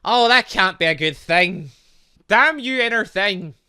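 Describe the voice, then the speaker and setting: A man's voice: high-pitched, lively intonation, a little slow, sharp tone, smooth. A man hosting a gaming channel, giving let's play commentary on a visual novel with dramatic, exclaiming reactions.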